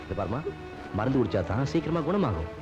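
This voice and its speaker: An actor playing a male doctor who gently coaxes and reassures a frightened patient. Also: mid-range voice, very animated, fast, muffled recording, over loud music, close to an everyday voice. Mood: coaxing. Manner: coaxing, reassuring.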